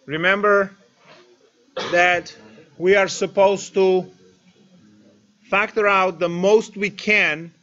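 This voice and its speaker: Male calculus tutor, high voice, step-by-step explainer, dull lo-fi stream sound. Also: steady tone, takes it slowly, pauses often, sharp tone. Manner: explains step by step, addresses viewers directly. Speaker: math tutor. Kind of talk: live-streamed calculus lesson.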